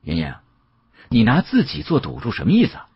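A man's voice: mid-range voice, huge pitch swings, fairly quick, husky, dry recording, lo-fi sound, pitched above the performer's own voice, heavily acted. A male narrator voicing an earnest antique appraiser who scolds in a blunt, reproachful, questioning way. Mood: annoyed.

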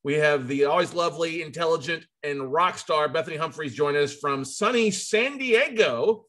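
Online event host, American man, forties, forceful bright tone, slightly high, effusive and chatty, jokes as he rambles. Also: expressive, moderate pace. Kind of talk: casual, upbeat hosting. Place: indoors, video call with virtual background.

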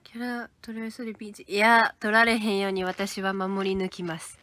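A woman's voice: medium pitch, level tone, a little fast, pushed and bright. A young woman with a Kansai accent, chatting casually and giggling as she reads fan comments on a livestream. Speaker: idol livestreaming to fans.

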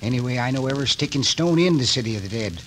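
An actor playing a suspicious old cemetery caretaker, drawling and stubborn, in a 1940s radio drama. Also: male voice, mid-range voice, expressive, racing, close to an everyday voice, low-quality recording. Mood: gruff. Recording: old radio recording with faint hiss.

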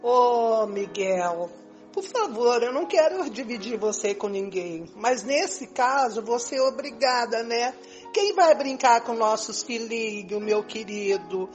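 A woman's voice: fairly high pitch, expressive, unhurried, a little mellow, soft background music. An older woman playing a possessive, wry lover in an amateur radio soap opera, coaxing as she talks.

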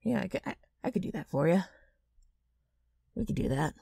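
A woman acts out a brash ghoul woman in an ASMR roleplay, rough and dark-toned. Her pitch swings widely as she wheedles and needles with sardonic mischief. The sound is very dry and close. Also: animated, moderate pace, no room sound, exaggerated voice. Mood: grudgingly agreeable. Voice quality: rough, gravelly.

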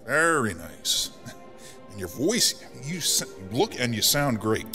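Casting: male actor as wry veteran rebel officer, casual and expressive, audio drama with faint music. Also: medium pitch, takes it slowly, full character voice. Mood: wry, cheerful. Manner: casual, joking, hesitant asides. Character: wry, friendly veteran rebel colonel, freed prisoner. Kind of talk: naturalistic sci-fi audio drama acting.

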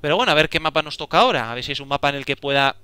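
A young man giving casual, excitable gameplay commentary, talking to himself and exclaiming often. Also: on the high side, rapid-fire, clear, resonant tone, dry recording. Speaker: gaming video creator.

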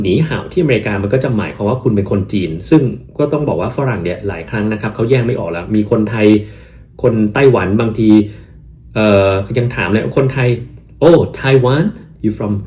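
A man from Thailand talking casually as host, giving advice and acting out replies he would give. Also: lowish voice. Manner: animated, acts out quoted replies in English.

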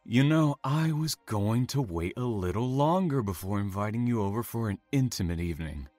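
A man playing a calm, taunting, self-satisfied serial killer in an audio drama, savoring his words with theatrical menace. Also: on the low side, normal speed, no room sound, soft background music, lightly acted.

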